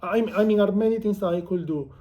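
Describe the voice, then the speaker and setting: A man's voice: sits high, fast talker, mellow. A man from Venezuela with a Venezuelan Spanish accent, Spanish his first language, chatting casually to camera in a digressive, self-deprecating way. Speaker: author and vlogger.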